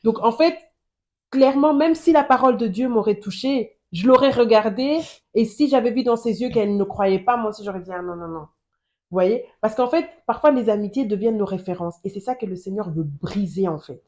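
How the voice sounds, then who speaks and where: A woman's voice: fairly high pitch, brisk, warm tone. A woman from Germany hosting a Christian podcast, giving an earnest personal testimony and Bible teaching, often repeating phrases for emphasis.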